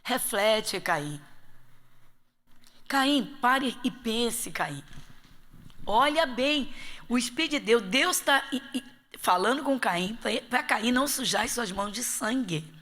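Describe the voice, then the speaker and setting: A woman's voice: a little high, expressive, unhurried, fairly bright tone. A woman pastor from Rio de Janeiro teaching a Bible study class, with an emphatic style full of rhetorical questions to her listeners. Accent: Rio de Janeiro Portuguese. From Brazil.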